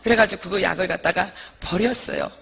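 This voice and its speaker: A woman's voice: medium pitch, quick pace, creaky, fairly bright tone, husky. A woman minister giving an earnest, vivid personal testimony, reliving her pleading prayers as she tells the story.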